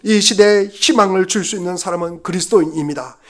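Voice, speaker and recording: Fervent high-voiced Korean pastor preaching. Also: male voice, fairly quick. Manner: fervent preaching, swinging from loud exhortation to hushed low passages; repeats phrases for emphasis. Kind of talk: Sunday sermon.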